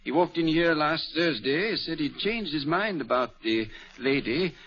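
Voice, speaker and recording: An actor playing a helpful, chatty jeweler in a 1940s radio drama, pausing with small hesitations. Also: male voice, a little high, lively intonation, fairly bright tone, husky, heavily acted. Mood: matter-of-fact. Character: helpful male jeweler, chatty and matter-of-fact. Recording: dull old radio broadcast.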